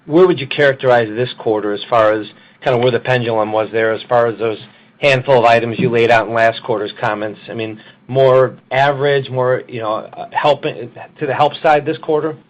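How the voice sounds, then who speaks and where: A man with an average-pitched voice puts questions as a financial analyst. He phrases them casually and loosely, circling around the point. The sound is somewhat muffled, as on a conference call. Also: fairly even intonation, brisk. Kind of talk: informal unscripted earnings call questions.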